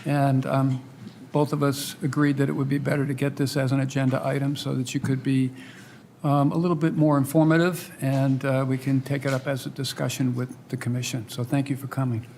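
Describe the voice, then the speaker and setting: A man's voice: medium pitch, flat delivery, a little fast, a little mellow. A man chairing a public meeting in a semi-formal way, in a town hall meeting room. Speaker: commission chair. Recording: meeting room with faint noise.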